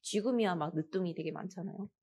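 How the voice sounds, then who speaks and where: A woman's voice: fairly low pitch, fast. A woman in her thirties with a Busan accent, giving a casual lecture and telling personal stories, acting out the lines she quotes. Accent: Busan Gyeongsang. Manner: lively storytelling, acts out quoted lines.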